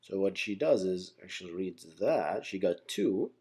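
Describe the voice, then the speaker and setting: A man with a low, dark, relaxed voice explains things in an informal tutorial. His intonation is highly animated, rising and falling widely. He thinks aloud as he goes and often pauses to check in. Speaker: software engineering instructor.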